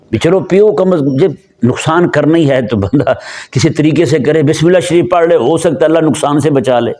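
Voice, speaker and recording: A man from Pakistan giving a sermon, talking conversationally to a seated gathering, asking them questions and slowing down to recite scripture. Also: mid-range voice, mellow. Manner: conversational, asks the audience questions; slows down for Quranic recitation. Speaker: Islamic preacher.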